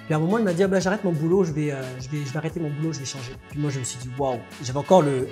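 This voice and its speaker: A man from France, a guest on a podcast interview, telling his story in a relaxed, halting way with frequent restarts. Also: a little high, faint music behind.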